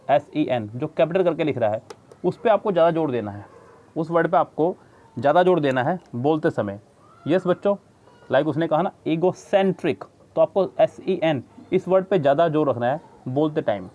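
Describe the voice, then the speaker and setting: A man teaching English vocabulary to students, reading the book's English text slowly and explaining it quickly in Hindi. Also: fairly high pitch, warm tone. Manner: addresses students as children. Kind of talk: Hindi-English book lesson. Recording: dull lo-fi audio.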